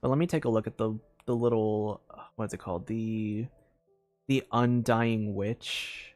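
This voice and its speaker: A young man streaming a story game, thinking out loud in a loose, rambling way with lots of filler words and restarts. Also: fairly low pitch, steady tone, measured pace, soft background music. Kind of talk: casual live-stream commentary.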